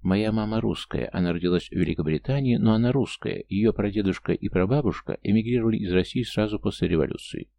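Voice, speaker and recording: A man's voice: fairly low pitch, fast talker, vocal fry, few pauses, dry recording. A man voicing a polite, mild-mannered Englishman who belongs to an old knightly order, in an audiobook. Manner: polite and gentle.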